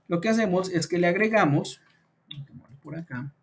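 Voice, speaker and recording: A male teacher talks through an online beginner lesson, thinking aloud as he adjusts his slides. He leans on fillers and stretches out example sentences slowly so learners can follow the intonation. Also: high-pitched. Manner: thinks aloud while editing slides, many fillers like "pues" and "entonces"; slows down to model example sentences. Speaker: English teacher.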